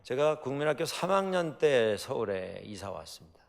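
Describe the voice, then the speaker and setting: In a church sanctuary with hall reverb, a middle-aged Korean man from Chungcheong, South Korea, preaches as pastor, telling stories peppered with fillers and rhetorical questions. His medium-pitched voice has a sing-song lilt, vocal fry and a moderate pace.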